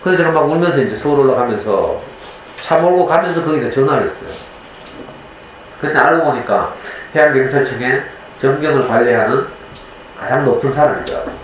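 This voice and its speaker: A man's voice: mid-range voice, fairly quick, a little hiss or hum. Middle-aged man lecturing in an echoey hall. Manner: animated storyteller acting out dialogue. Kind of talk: storytelling lecture. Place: lecture room.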